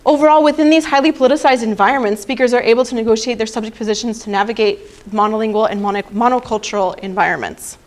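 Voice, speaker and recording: A woman's voice: fairly high pitch, fast, few pauses. Woman giving an academic talk. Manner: explanatory, frequent "right?" and "okay?" checks. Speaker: researcher presenting at a conference. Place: presentation room.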